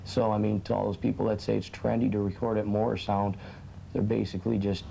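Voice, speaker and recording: A band member talking casually and loosely in an interview, heard from a worn tape copy. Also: male voice, on the low side, a little fast, creaky. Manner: relaxed, loose, many fillers. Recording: muffled worn tape with hiss.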